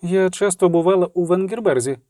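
A man's voice: high voice, a little fast, mellow, dry recording, clean studio sound, voice pushed up, close to an everyday voice. A man reading an audiobook, voicing a tall woman army captain who speaks dryly in clipped military fashion. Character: tall woman soldier captain, dry and disciplined.

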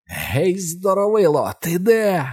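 A fierce, badly wounded huntress, read by a man in an audiobook. The voice sits low and dark with a husky grain. She moves between hushed, urgent whispers and loud battle calls. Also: steady tone, moderate pace. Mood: shouting. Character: badly wounded woman hunter, fierce and proud.

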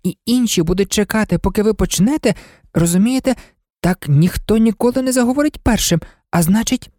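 A woman voicing Alice, an earnest and timid young girl who likes to argue, in a storybook reading, her voice pitched well above her own. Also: fairly quick, mellow, no echo, clean studio sound, lightly acted. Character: polite, eager young girl.

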